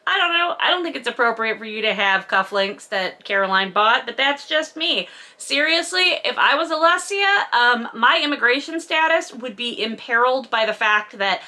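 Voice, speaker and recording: A woman's voice: a little high, expressive, moderate pace, few pauses, pushed and bright. A woman giving a casual, comedic book recap with sarcastic, wry asides, in the manner of a video host.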